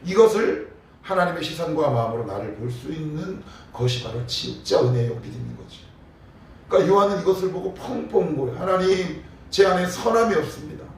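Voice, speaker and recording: Pastor preaching in an echoey church. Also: male voice, on the high side, lively intonation, fairly quick, darkish tone. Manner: conversational, asks the congregation questions. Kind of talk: sermon. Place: church sanctuary. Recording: echoey church from a distance, faint background hum.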